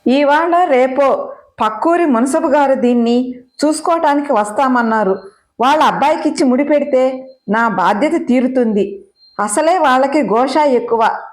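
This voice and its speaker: A man's voice: very high voice, echoey room. A woman reading the lines of a stern rural father who gives blunt orders, in her own narrating voice. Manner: blunt and commanding.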